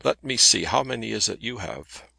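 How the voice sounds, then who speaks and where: A man's voice: lowish voice, lively intonation, normal speed, gravelly, pushed and bright, slightly rough, no room sound, full character voice. A man reading aloud gives voice to a cheery, talkative middle-aged male solicitor who speaks in a hearty, bluff way.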